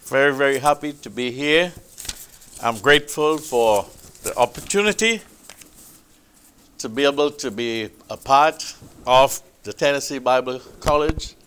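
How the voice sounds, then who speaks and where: A man preaching a sermon, with a loud, booming, emphatic delivery, speaking into a microphone in a church hall. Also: a little slow, pauses often, clear, resonant tone. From Trinidad. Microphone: handheld or stand mic.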